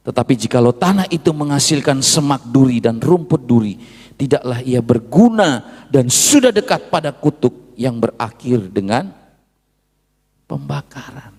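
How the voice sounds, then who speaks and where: A male pastor preaches with a gravelly voice. He sways between quiet, low confiding lines and sudden loud, high shouts, weaving in asides. His voice carries a long reverb from a large church hall. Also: animated, unhurried. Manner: mixes Indonesian with Javanese asides. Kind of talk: sermon.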